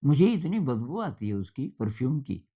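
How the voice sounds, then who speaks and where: An older man giving an informal talk, speaking in a conversational, anecdotal way with thoughtful pauses. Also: medium pitch, big pitch swings, husky, highs cut off.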